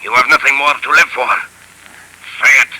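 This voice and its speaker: A man's voice: mid-range voice, steady tone, normal speed, sharp tone, poor audio. An actor playing a menacing foreign professor who hypnotizes his victims, in 1930s radio drama style. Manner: commanding, menacing hypnotic orders.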